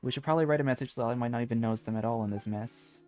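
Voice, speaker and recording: A man streams a video game and talks to his viewers in an excitable, exclaiming way. His voice sits at a middle pitch as he comments and reads text aloud. Game music plays faintly behind him. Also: rapid-fire. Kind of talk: live gameplay commentary, reading dialogue aloud.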